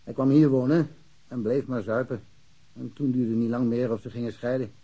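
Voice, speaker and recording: A man's voice: medium pitch, fairly even intonation, fairly quick, dark tone, slightly rough, muffled recording. An actor playing a talkative, blunt village policeman who speaks colloquially and with confidence in a naturalistic radio drama. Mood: informative, frank. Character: chatty, blunt village policeman, worldly-wise and sure of himself.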